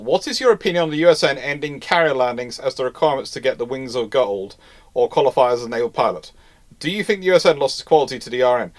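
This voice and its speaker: A man hosting an unscripted live question-and-answer chat, rambling and restarting his phrases mid-thought. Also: mid-range voice. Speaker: host of a live naval history question show.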